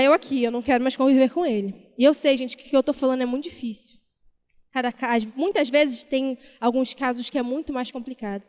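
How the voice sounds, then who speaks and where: A woman's voice: fairly high pitch, a little mellow, smooth. A woman preacher giving a Sunday sermon, telling a story and repeating key phrases for emphasis. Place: church. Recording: reverberant church hall.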